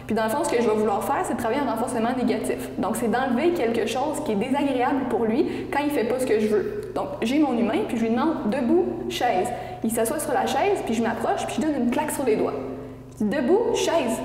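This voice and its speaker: A woman's voice: fairly high pitch, fairly quick, mellow, roomy sound, long reverb tail. A woman dog trainer with a Québécois French accent, patiently explaining training methods with everyday examples in an interview.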